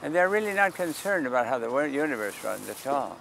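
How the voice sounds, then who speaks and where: A man's voice: medium pitch, big pitch swings, brisk, creaky, slight background noise, low-quality recording. An older man explaining the sun and the public in casual talk, outdoors in a park beside a parking lot, heard through a camera mic a few feet away. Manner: calls out invitations loudly to passersby, dry humor. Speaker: sidewalk astronomer.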